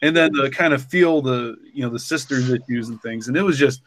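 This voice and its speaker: A man's voice: medium pitch, fairly quick, a bit bright. A man talking casually and reflectively, rambling with lots of "like" and "you know". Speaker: podcast co-creator and story author.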